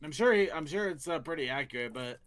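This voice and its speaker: Bright, lively-voiced man. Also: fairly high pitch, quick pace. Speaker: podcast co-host. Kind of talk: casual chat.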